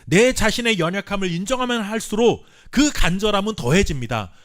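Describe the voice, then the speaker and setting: Earnest man preaching, high lively voice. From South Korea. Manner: earnest, emphatic preaching with dramatic pauses; reads scripture aloud slowly with the congregation. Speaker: pastor. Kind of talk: sermon.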